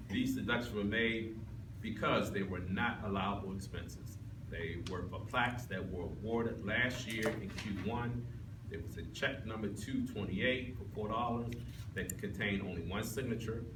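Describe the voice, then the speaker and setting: A man with a fairly low voice chairs a formal public meeting. He reads minutes and roll call in a procedural manner, stumbling now and then. He is picked up from a distance in an echoey room with noticeable noise.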